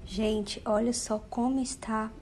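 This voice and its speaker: A woman's voice: fairly high pitch, steady tone, slow, darkish tone, slight background noise. A woman, emotional and effusive, talking casually to her viewers while she cooks in her home kitchen. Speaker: home cook vlogger. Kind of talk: casual cooking vlog.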